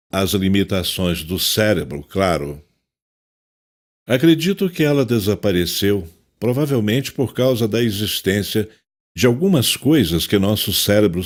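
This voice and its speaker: Actor as ageing psychiatrist, deep male voice, pensive, haunted, wistful, radio drama narration. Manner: introspective, wistful.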